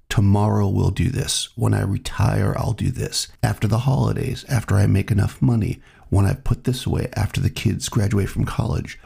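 Gravelly man with a cold. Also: fairly low pitch. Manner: relaxed, reflective, chatty. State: has a cold, voice strained. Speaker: podcast host. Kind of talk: solo podcast monologue.

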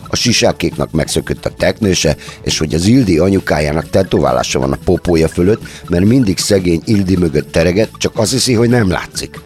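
A man's voice: low voice, few pauses, a little mellow. A man hosting a radio show, delivering a playful, mock-solemn comic monologue addressed to children.

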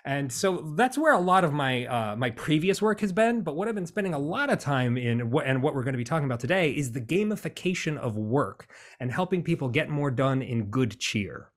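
A man's voice: mid-range voice, very animated, fairly quick, hardly any pauses. Cheerful American man, chatty guest. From United States. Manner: cheerful, chatty, laughs easily. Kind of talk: casual interview chat.

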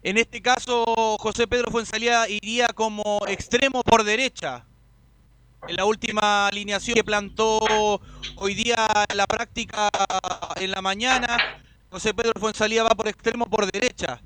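A man's voice: high voice, steady tone, normal speed, bright, forceful tone, a little hiss or hum, poor audio. Man on a choppy remote line. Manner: hesitant, many fillers. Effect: choppy, cutting-out remote connection. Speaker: field reporter. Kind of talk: live sports radio report.

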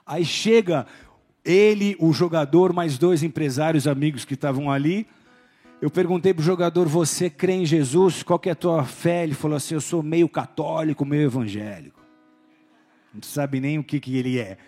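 A pastor preaching with a fairly high voice, telling his stories with lively energy and acting out the people in them. Faint music plays softly under his sermon. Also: moderate pace. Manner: animated storytelling, acting out voices, shouting at peaks.

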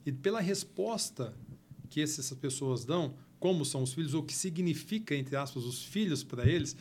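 A man's voice: fairly high pitch, animated, normal speed, darkish tone, slight background noise. Affirming male host. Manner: affirming, echoes the guest, frequent "né". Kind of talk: conversational interview.

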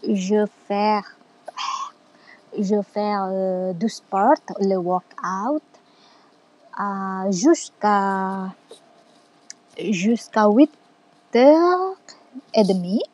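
A young woman, not a native speaker, talks through a homework podcast in a hesitant, halting way. She speaks very slowly, and her voice is mellow and dark rather than bright. Fillers and restarts break up nearly every sentence. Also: mid-range voice, low-quality recording. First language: not French. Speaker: student making a class podcast. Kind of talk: casual monologue.

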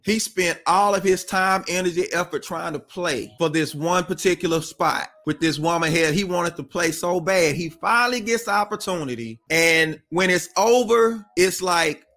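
A man with a fairly high voice co-hosts a relaxed talk show. He reads out comments in a conversational tone and pushes people to answer his questions. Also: moderate pace, few pauses. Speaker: podcast co-host. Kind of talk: casual chat, reading viewer comments.

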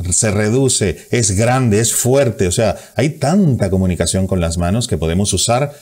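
A man with a fairly low, mellow voice gives communication tips straight to camera. He talks with energy, acting out examples and crisply stressing his consonants. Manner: energetic, acts out examples with hands; stresses consonants, slows down to demonstrate. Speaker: communication coach.

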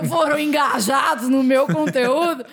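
Chatty, animated Brazilian woman. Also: high-pitched, slow pace. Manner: talkative, animated storytelling with frequent laughs. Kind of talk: casual podcast chat.

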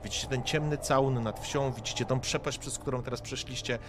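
A man's voice: mid-range voice, steady tone, fairly quick, music in the background. A man running a tabletop game as game master, describing scenes directly to the players with frequent hesitations.

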